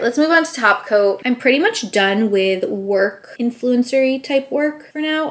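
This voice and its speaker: Chatty young woman, slightly breathless. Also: medium pitch. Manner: chatty, upbeat, rambling with frequent "like" and "I don't know". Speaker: beauty vlogger. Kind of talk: casual chat while doing a manicure. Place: dining room at home.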